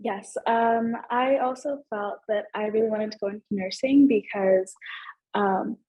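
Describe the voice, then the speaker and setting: A first-year nursing student from Kenya, nervous and apologetic on a webinar panel. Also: female voice, mid-range voice, a little slow. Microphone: video call. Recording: dull video-call audio.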